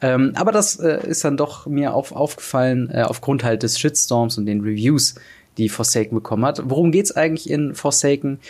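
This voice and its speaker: A young man co-hosting a casual podcast, talking with many pauses and fillers. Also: mid-range voice, darkish tone. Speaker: podcast co-host.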